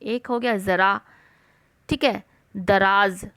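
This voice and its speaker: A woman teaching a worksheet lesson to children. She asks and answers her own questions and repeats words slowly for pronunciation. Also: mid-range voice, steady tone, bright, forceful tone, clear, resonant tone, no echo.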